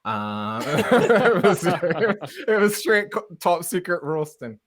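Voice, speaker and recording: A man with a Bajan accent telling anecdotes in casual, animated podcast chat as a comedian on the panel. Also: high-pitched, slow. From Barbados. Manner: animated storytelling, breaking into laughter.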